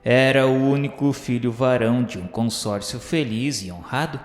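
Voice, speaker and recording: A man's voice: medium pitch, normal speed. A Brazilian man reading a novel as grave, declamatory, formal dramatic narration. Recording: roomy long reverb with music.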